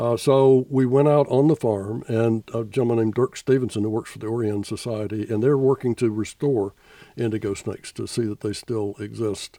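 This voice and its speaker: A man speaks with a Southern US accent at medium pitch, his tone dark and mellow. The sound is dry and close with no echo, and he talks fairly quickly with fairly even intonation. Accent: Southern US (Georgia). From US South, South Georgia. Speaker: former museum institution head and author. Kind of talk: interview. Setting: studio. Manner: halting.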